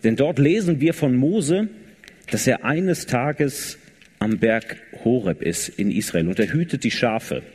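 A man's voice: medium pitch, animated, measured pace, a little mellow, husky. A man preaching a sermon in a casual, conversational way, retelling scripture dramatically. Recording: long reverb of a large hall. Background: congregation.

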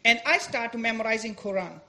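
A woman's voice: on the high side, moderate pace, pushed and bright. A woman in her twenties from Pakistan with a Pakistani accent, giving a church testimony in simple, broken English full of fillers. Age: 20s. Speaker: guest speaker giving testimony.

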